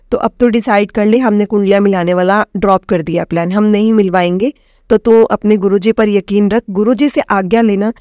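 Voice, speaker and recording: Young woman telling her testimony, mellow voice. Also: medium pitch, no room sound, studio quality. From Himachal Pradesh, India. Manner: addresses listeners as "sangat ji", mixes in English words. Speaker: devotee sharing a testimony. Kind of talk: personal testimony told to a congregation.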